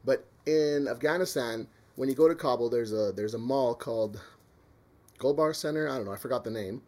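A man's voice: medium pitch, fairly quick, a little mellow. A Canadian man telling stories in a casual podcast chat, rambling with plenty of "um" and "like". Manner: chatty, rambling with many fillers.

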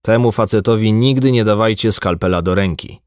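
A man voicing a blunt, embittered, drunk male doctor in an audiobook, gruff and lecturing. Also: fairly low pitch, fairly quick, no room sound, clean studio sound, natural voice. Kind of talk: audiobook dialogue.

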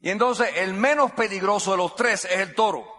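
A native English-speaking man from the United States, with a bright, high voice and a brisk delivery, gives a dramatic storytelling speech in an echoey hall. He repeats key phrases, gestures vividly, and builds suspense.

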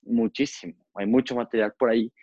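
A man's voice: mid-range voice, fairly even intonation, a little fast, a little mellow, no echo. Chatty young Mexican man hosting a podcast. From Zacatecas, Mexico. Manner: chatty, rambling with many fillers. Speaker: podcast host. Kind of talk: casual podcast chat. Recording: dull, lo-fi.

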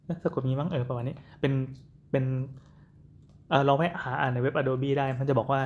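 ผู้ชายคุยแบบเป็นกันเองในพอดแคสต์ เล่าเรื่องยาวๆ อย่างไม่รีบร้อน หยุดคิดเป็นช่วงๆ ระดับเสียงไม่สูงไม่ต่ำ. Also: male voice, mid-range voice, fairly even intonation, dull audio. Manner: rambling, many fillers, mixes in English words; slow, halting storytelling. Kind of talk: casual chat.

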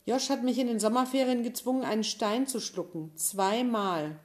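A woman voicing a polite, eager schoolboy who speaks in a raised, bright way in a storybook reading. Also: fairly high pitch, moderate pace, pitched above the performer's own voice, close to an everyday voice.

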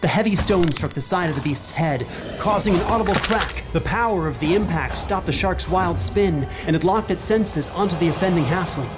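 A man narrating a fantasy horror adventure as game master, in grand, measured literary storytelling. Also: sits high, over music.

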